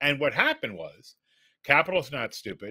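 A man's bright, sharp voice with vocal fry and lively intonation at a moderate pace, against a quiet background. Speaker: journalist guest. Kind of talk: interview answer. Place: home room.

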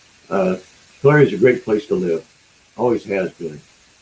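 Over noticeable background noise, a man with an American accent talks with ordinary pitch variation. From California, Central Valley. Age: 70s. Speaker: city council candidate. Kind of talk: candidate forum statement. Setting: video call.

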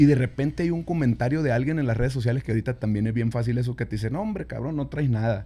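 Rushing along at a very fast pace with hardly any pauses, a man talks in a dark, mellow, somewhat breathy tone with ordinary pitch variation. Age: 30s. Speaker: regional Mexican musician and former radio announcer; interview guest. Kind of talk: casual interview; interview answer. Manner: repetitive, stammering restarts. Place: studio. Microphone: studio mic.

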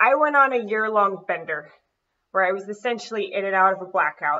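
An animated woman's voice at a moderate pace, with lively intonation. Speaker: YouTuber and aspiring comedian. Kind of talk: rehearsing a stand-up set to camera, confessional bar-story bit. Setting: home garage. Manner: crude, self-mocking punchline delivery with sudden reversal; animated, profane and rambling, laughing at herself. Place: garage. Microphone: webcam.

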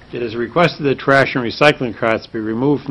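The pitch variation is ordinary. Noticeable background noise runs under the voice. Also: man. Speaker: town manager. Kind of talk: public meeting discussion.

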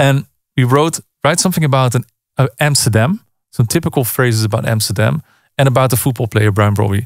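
A man's medium-pitched, unremarkable speaking voice with ordinary pitch variation and very even loudness, dry and close with no echo, in a very clean recording over a silent background. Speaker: podcast host. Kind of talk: casual interview. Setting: studio.

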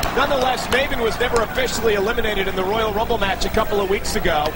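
A man speaks very fast while loud background noise fills the recording. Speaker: wrestling commentator. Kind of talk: commentary. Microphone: headset.

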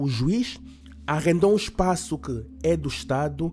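A man with an Angolan accent, fairly high pitch, animated tone and lively intonation at a fairly slow pace, with clear music in the background. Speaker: online news commentator. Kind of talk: news commentary. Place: home room. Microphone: studio mic.

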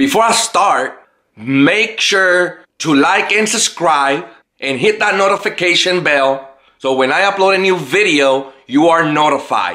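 Against a quiet background, a man talks at a fairly slow pace in a bright, sharp tone. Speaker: cooking channel host. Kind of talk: casual vlog chat. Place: kitchen. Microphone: phone near.

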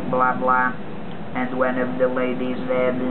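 A man talks at a fairly slow pace. Behind him, music plays. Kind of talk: casual storytelling, telling a joke. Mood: amused, ends laughing. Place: garden. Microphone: handheld.

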